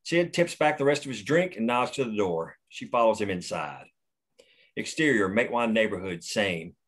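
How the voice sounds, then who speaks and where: A man's voice: on the low side, lively intonation, normal speed, fairly bright tone, slightly rough. A man plainly reading the action lines and stage directions at a screenplay table read.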